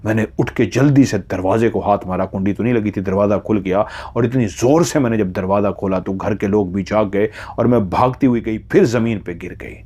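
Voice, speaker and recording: Low-voiced man telling horror stories. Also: fairly quick, few pauses, dark tone, breathy edge. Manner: suspenseful, repeats phrases for emphasis. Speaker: horror storyteller. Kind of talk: dramatic spoken horror narration.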